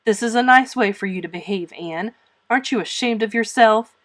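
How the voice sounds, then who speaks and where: A woman's voice: on the high side, moderate pace, fairly bright tone, natural voice. A woman voicing a stern, dry elderly spinster guardian in a storybook, scolding firmly in clipped phrases.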